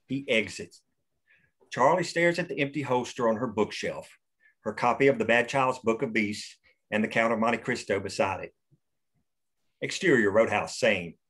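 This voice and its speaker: A man reading the stage directions aloud at a script table read in a steady, plain way. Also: fairly low pitch, normal speed, long pauses, husky.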